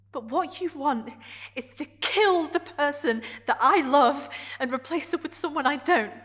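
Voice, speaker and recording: A woman performing a dramatic stage monologue as a vulnerable, defiant gay woman confronting a partner, in halting, emotionally charged phrases. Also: medium pitch.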